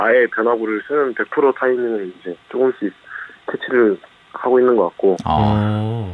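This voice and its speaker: Amid noticeable background noise, a man speaks fairly slowly at a medium pitch. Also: ordinary pitch variation. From South Korea, Masan. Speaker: professional baseball player. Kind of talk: interview. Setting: phone call. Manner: clipped military-style politeness.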